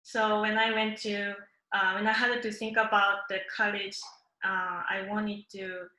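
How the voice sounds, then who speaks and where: Japanese woman, slow and halting, mellow tone, roomy sound. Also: medium pitch, level tone. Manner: halting, with frequent fillers and restarts. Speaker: guest artist. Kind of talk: presenting slides of her work.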